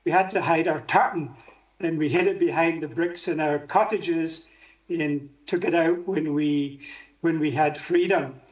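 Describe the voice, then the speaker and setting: Keynote speaker: older scottish highland man, high voice, dull lo-fi video call sound, talks straight to the audience. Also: fairly even intonation, measured pace, echoey room. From Scotland. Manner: interactive, asks the audience questions. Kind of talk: conference keynote over video link.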